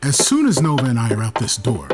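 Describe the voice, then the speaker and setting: Brash starship captain, lively swooping man. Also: mid-range voice, fast talker, noisy background. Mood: dry, firm. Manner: commanding, wry, playful. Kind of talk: audio drama acting. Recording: music behind the voice.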